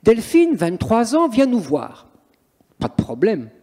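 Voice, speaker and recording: A man's voice: high voice, wildly swooping pitch, slow, warm tone. A man, a priest and exorcist, telling stories in an interview in an emphatic, theatrical way. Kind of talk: interview, storytelling. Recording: long reverberant room echo.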